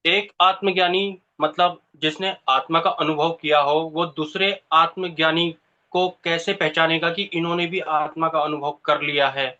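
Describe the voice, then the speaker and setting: A man's voice: on the high side, fairly even intonation, normal speed, bright, forceful tone. A man speaking as a seeker, putting direct, insistent questions to a teacher. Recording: slightly dull, lo-fi sound.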